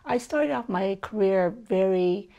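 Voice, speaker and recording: A middle-aged woman physician from Burma speaks in a relaxed interview. Her voice carries a gravelly, fry-tinged texture. She pauses often and circles back to her words as she thinks aloud. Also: mid-range voice, dull audio. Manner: thoughtful, many fillers and restarts. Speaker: physician guest. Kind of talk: conversational interview.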